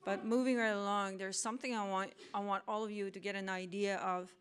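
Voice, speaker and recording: A woman activist giving a hurried conference talk over slides, brisk and energetic. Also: medium pitch, smooth. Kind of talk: fast conference presentation with slides. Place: lecture hall at a law school.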